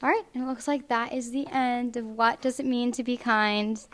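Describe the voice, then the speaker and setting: A young woman reading a picture book aloud to children in clear, deliberate phrases at a library. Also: fairly high pitch, little pitch movement, a bit bright. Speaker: volunteer storybook reader. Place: public library, indoors.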